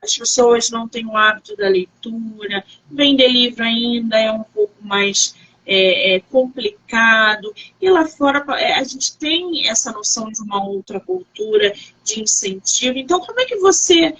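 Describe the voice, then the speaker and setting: A woman's voice: fairly high pitch, lively intonation, moderate pace, a bit bright, rough recording. A woman with a Brazilian Portuguese accent hosting a casual live interview, asking wordy questions that circle and restart. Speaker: interview host.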